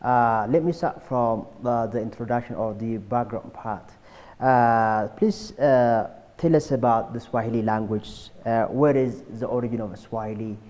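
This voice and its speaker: A man hosting an English television interview program, speaking in a halting way with frequent pauses. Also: mid-range voice, darkish tone, dull audio. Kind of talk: hesitant interview questioning. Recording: echoey hall-like reverb.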